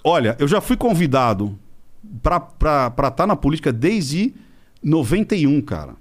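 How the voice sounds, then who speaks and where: Animated Brazilian man with lively pitch. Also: normal speed. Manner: animated, acts out quoted voices; swears freely. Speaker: interview guest. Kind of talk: casual storytelling chat.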